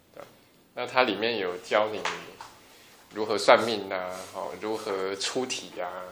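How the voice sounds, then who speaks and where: Speaking at a fairly slow pace with long, frequent pauses, a man with a fairly low pitch keeps his intonation fairly even while his loudness swings widely, and the recording has audible room echo and noticeable background noise. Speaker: spiritual course teacher. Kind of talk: lecture.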